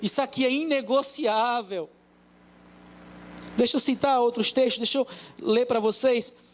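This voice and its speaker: A man speaks at an extremely high pitch. His intonation stays fairly even at a moderate pace. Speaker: pastor. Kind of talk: sermon.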